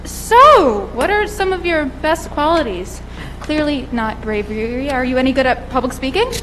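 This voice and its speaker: A woman's voice: high-pitched, lively intonation, normal speed, fairly bright tone. An actress playing a bubbly, sarcastic young woman on a date, performing on a school auditorium stage. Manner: bubbly, sarcastic, laughs often. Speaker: stage actor. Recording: echoey auditorium, faint noise.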